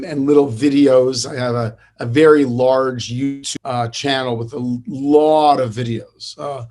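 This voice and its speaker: A man's voice: medium pitch, gravelly. A middle-aged man, a rabbi, talking in a podcast interview, telling stories and teaching with many restarts and fillers. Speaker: rabbi and podcast host, guest.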